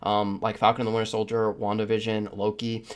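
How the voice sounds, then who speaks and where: A man's voice: on the low side, completely flat delivery, brisk, smooth. A man hosting a podcast in casual discussion, rambling through his opinions with the odd chuckle as he talks. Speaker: podcast host.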